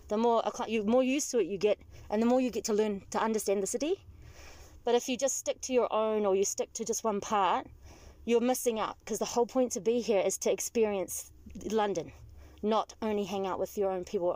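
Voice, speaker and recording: A young woman from New Zealand with a Kiwi accent, chatting as a passenger and telling stories with lively asides. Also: medium pitch, no room sound. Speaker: taxi rider guest. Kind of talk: casual chat. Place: in a moving car.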